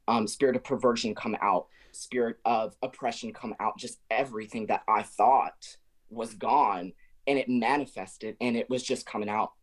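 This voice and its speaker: A young man calls in on a laptop video call and tells his story in halting bursts, stumbling over his words and starting again. His voice sits at an ordinary middle pitch. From Southern Illinois. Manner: halting, stammering restarts. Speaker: Zoom caller sharing a testimony. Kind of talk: emotional personal testimony. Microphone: laptop webcam video call.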